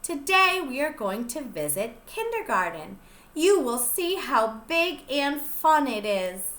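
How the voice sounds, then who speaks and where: एक दयालु, हँसमुख कहानी की शिक्षिका, जिसे एक महिला पढ़ती है, ऊँची और चंचल आवाज़ में।. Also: female voice, sits high, very animated, slow pace, heavily acted. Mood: gentle. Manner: gentle, warm storybook reading. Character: kind cheerful female kindergarten teacher.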